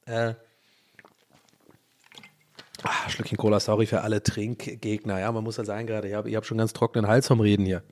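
A man's voice: lowish voice, little pitch movement, brisk, long pauses, a little mellow. A man in his thirties from Dublin, a native English speaker, hosting his own podcast in a rambling, self-mocking casual chat full of fillers, restarts and playful swearing. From Ireland, Dublin. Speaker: podcast host.

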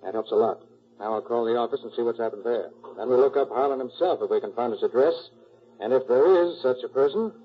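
Male master detective, actor-played, 1940s radio drama: brisk, composed, authoritative, on a dulled vintage recording. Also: medium pitch, muffled recording, natural voice. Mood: pensive, focused.

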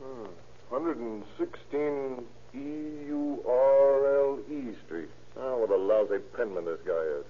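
An actor playing a steady, canny police detective who talks in a colloquial, matter-of-fact way in old radio drama. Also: male voice, mid-range voice, takes it slowly, creaky, heavily acted. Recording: dull old radio recording, faint noise.

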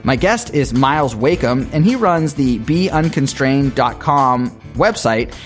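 A man hosting a podcast, reading sponsor ads in a smooth scripted way and introducing his guest. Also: medium pitch, animated, measured pace, soft background music. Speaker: podcast host. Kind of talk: read ads and interview intro.

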